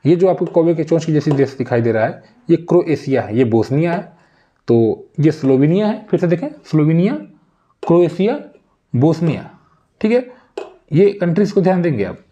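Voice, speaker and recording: A man's voice: on the high side, sing-song, moderate pace, warm tone, muffled recording. A man with a Hindi accent teaching an exam-prep geography lesson on a map, drilling country names again and again and speaking straight to his viewers.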